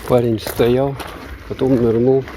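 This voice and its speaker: Slow-talking vlogger, noisy outdoor recording. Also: medium pitch, little pitch movement. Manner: rambling, musing aloud in short remarks. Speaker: vlogger filming a walk. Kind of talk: casual unscripted walking commentary. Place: outdoors, walking by the waterside.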